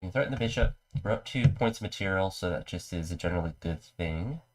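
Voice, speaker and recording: On a live stream, a man nursing a mild cold casually walks through his chess moves, his voice sounding congested. Though his manner is low-key, he speaks in an animated way at a quick pace.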